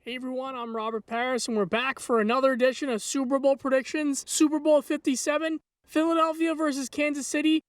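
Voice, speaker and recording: A woman's voice: high-pitched, flat delivery, brisk. A woman presenting a light segment as a local TV sports reporter.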